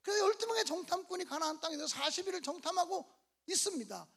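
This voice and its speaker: Woman preacher, high voice, lively swooping pitch, dramatic storytelling sermon. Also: quick pace. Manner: dramatic, acting out biblical scenes with sudden rises in pitch and loudness. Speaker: guest preacher at a revival meeting. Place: church.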